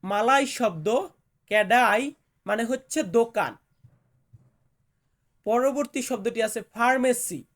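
A man teaching vocabulary in a slow lesson, repeating each word and its meaning with care. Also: very high-pitched, a bit bright. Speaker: language teacher.

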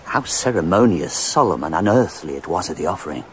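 An actor playing a courtier awed by the oracle, speaking expressively in a radio drama. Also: male voice, deep voice, expressive, a little fast, a little hiss or hum.

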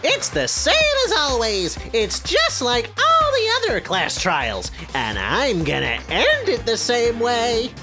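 A man's voice: very high voice, wildly swooping pitch, slow pace, hardly any pauses, exaggerated voice. A man voicing a gleeful, sadistic robot bear headmaster in a video game, in a gloating, sing-song way. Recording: game audio over loud music.

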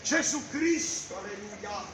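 A middle-aged man preaching loudly on a busy town street, declaiming and gesturing, filmed from a distance by a camera. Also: high voice, expressive, a little slow. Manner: loud, declaiming, gesturing with a Bible. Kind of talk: open-air street preaching. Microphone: far camera. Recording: echoey street with crowd noise. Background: crowd and passers-by.

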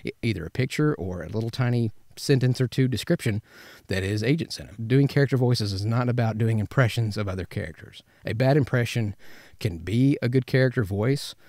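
A man's voice: medium pitch, fairly quick, a little mellow, dry recording. A man in his thirties giving informal voice acting instruction in a conversational way on a studio mic. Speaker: professional voice actor giving tips. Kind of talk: informal instructional talk to camera. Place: small padded vocal booth, indoors. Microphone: studio condenser with pop filter.

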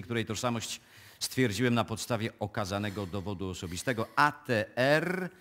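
An actor playing a formal, discreet male notary in a radio play, speaking in a measured, officious manner. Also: fairly low pitch, a bit bright, lightly acted. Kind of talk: live radio play acting.

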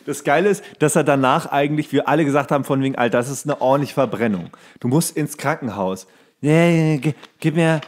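A man's voice: a little high, fairly quick. A young man co-hosting a podcast, telling bar anecdotes in colloquial, slangy speech and acting out what people said. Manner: colloquial, slangy, acts out quoted remarks. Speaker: podcast co-host.

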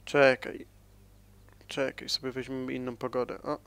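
A man commentating his own strategy gameplay, thinking aloud, addressing viewers and swinging between soft mumbling and sudden loud exclamations. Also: mid-range voice, little pitch movement, normal speed, creaky, clear, resonant tone. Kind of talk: casual let's-play commentary.

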